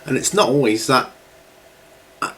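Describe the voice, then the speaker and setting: A man's voice: mid-range voice, lively intonation, unhurried, fairly bright tone. A middle-aged man with a slightly congested voice, chatting casually and in a rambling way as the host of a video series. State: recovering from a cold, with a cough. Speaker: host of a hobby question-and-answer video series. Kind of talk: casual chat to camera. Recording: clearly noisy home recording.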